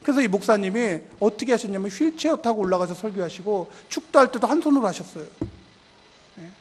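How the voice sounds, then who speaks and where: High-voiced pastor telling a story. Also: male voice, animated, quick pace, slightly rough. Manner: storytelling, acting out prayers and dialogue with rising intensity. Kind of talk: sermon. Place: church sanctuary.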